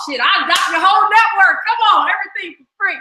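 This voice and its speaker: Raised and projected, this voice carries an animated tone. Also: woman. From Detroit, inner city. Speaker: aspiring musician and educator. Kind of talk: interview on livestream. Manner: fast.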